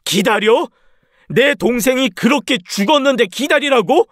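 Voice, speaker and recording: A grief-crazed vengeful husband. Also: male voice, very high voice, animated, a little slow, no echo, clean studio sound, heavily acted. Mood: furious. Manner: raging, threatening, shouting. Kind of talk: story radio drama reading.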